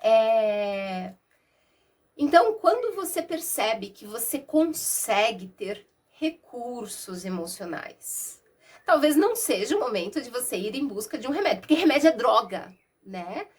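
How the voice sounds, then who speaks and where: A Brazilian woman talks to her viewers like a therapist, her voice nasal and husky from a cold. She pitches a little high and keeps a chatty, easy flow. She records without a separate microphone. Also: sing-song, unhurried. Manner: warm, conversational, uses many diminutives and asides. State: has a cold. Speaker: therapist and mentor. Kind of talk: casual explainer talk to camera. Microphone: no external microphone.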